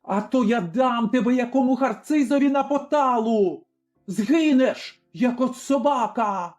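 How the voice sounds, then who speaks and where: A man voicing a vicious old tavern-keeping woman called a witch in a told story, shrill and screeching. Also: extremely slow, a little mellow, dull audio, faint music behind. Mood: spiteful.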